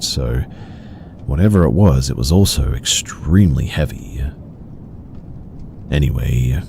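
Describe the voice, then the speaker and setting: A man reading out horror stories in an even, measured storytelling delivery. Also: a bass voice, gravelly, background noise. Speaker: story narrator. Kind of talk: scripted horror story narration.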